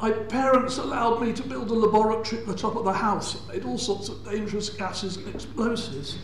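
Older English lecturer, high-pitched, echoey hall. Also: male voice, a little fast, a little hiss or hum. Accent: southern English. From England. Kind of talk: public science lecture. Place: large indoor lecture hall before an audience.

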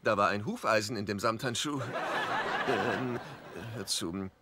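A man's voice: fairly low pitch, a little slow, lightly acted. An actor in a dubbed sitcom playing a hapless middle-aged man, anxious and stammering as he pleads. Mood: pleading, earnest. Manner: flustered, stammering, repeats himself. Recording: noisy sound with clicks.

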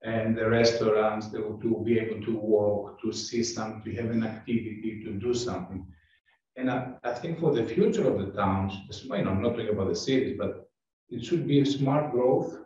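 A man's voice: fairly low pitch, fairly quick, darkish tone, far from the mic. A man from Greece with Greek as his first language, speaking in a casual town board meeting discussion, searching for words and restarting phrases. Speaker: board member. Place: town meeting room, large table. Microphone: far room microphone. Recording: echoey meeting room from afar, dull.

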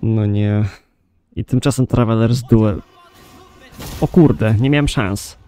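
A man's voice: lowish voice, slow, dark tone, clean tone. A man giving casual let's play commentary as a gamer, reacting in short asides and swearing. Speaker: gaming streamer. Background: game music.

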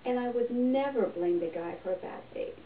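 A middle-aged woman performer giving a deadpan, tongue-in-cheek monologue to camera. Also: a little high, normal speed. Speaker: comedy performer. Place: small indoor room, plain wall. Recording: echoey, distant, dull home recording.

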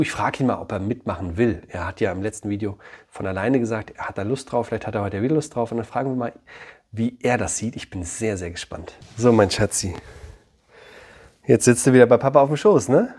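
Husky male psychologist, 30s, direct explanatory delivery, softens to a coaxing tone with a child. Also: on the low side, fast talker. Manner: direct and explanatory, often checks in with "ja?"; gentle, coaxing tone with his son. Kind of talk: advice talk to camera, then chat with his child.

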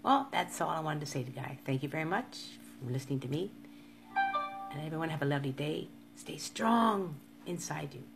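A woman's voice: low voice, expressive, a little fast, gravelly, music in the background. A woman in her fifties speaking to live-stream viewers in a casual monologue, earnestly repeating encouraging urges. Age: 50s. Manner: earnest, repetitive motivational urging.

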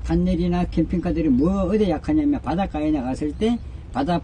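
Older male camper owner, very dark voice, terse replies, faint noise inside a camper. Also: fairly high pitch, a little fast. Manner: short, plain answers. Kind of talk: casual conversation. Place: inside his wooden camper.

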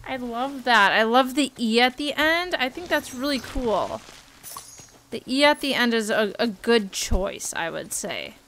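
A woman in her twenties streaming a game. She chats casually and gushes with bubbly excitement. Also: fairly high pitch, measured pace, a little hiss or hum, low-quality recording. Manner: bubbly, gushing, chatty. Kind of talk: casual gameplay commentary.

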